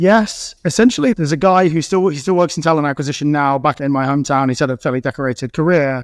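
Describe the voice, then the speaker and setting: With an American accent, a man talks at a very fast pace with hardly any pauses, his fairly high pitch showing ordinary variation. The sound is dry and close with no echo, and the background is quiet. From England. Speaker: recruitment business founder. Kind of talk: podcast interview.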